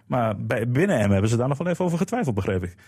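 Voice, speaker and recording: A man's voice: mid-range voice, sing-song, very fast, darkish tone. A man on a football panel who tells teasing anecdotes and asks about the book in a casual chat.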